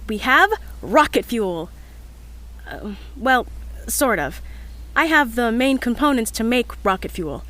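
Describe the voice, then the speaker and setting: A woman's voice: fairly high pitch, expressive, takes it slowly, bright, forceful tone, full character voice. A woman playing an earnest, determined young scientist in an audio drama, speaking in a reflective, slightly hesitant confessional log. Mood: upbeat, sheepish.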